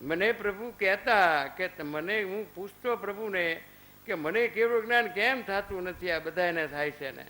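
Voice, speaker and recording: This spiritual discourse from an ashram hall features a man in his fifties with a high-pitched, bright voice and a forceful tone. He speaks at a measured pace, weaving stories with quoted dialogue and rhetorical questions, and the recording is rough.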